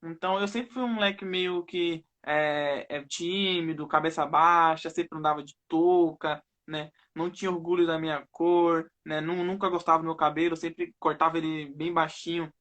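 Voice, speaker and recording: A young Northeastern Brazilian man on a video call, his voice sitting a bit high for a man. He keeps his regional accent and ends almost every phrase with a tag question. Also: fairly even intonation, normal speed, few pauses, fairly bright tone. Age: young adult. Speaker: guest. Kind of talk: personal testimony in a live interview.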